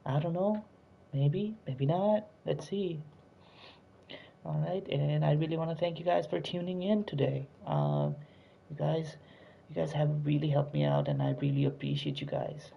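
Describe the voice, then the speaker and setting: A man's voice: on the high side, expressive, normal speed, gravelly, highs cut off. A man hosting a casual live stream with a sore throat, chatty and pleading with viewers to like and subscribe, with lots of fillers.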